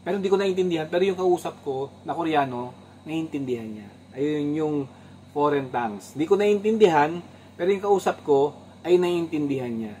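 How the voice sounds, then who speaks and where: Filipino preacher with a slightly high voice. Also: male voice, animated, moderate pace, dark tone, a little hiss or hum. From Philippines. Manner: mixes English phrases into his talk and often asks the congregation "Amen?"; teaching tone, rising on numbered points and dropping low on asides. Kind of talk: sermon.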